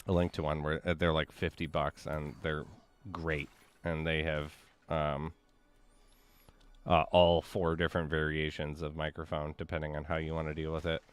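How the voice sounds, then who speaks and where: A man with a deep voice chatting casually while streaming a game, rambling with many fillers. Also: monotone, moderate pace, clean tone. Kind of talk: casual gaming chat.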